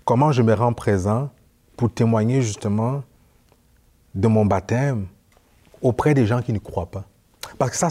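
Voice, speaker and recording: A young man from Quebec, a newly ordained priest, telling anecdotes in a casual interview and acting out the dialogue. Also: fairly low pitch. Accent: Quebec French. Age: young adult. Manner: animated, acts out dialogue in anecdotes. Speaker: priest guest.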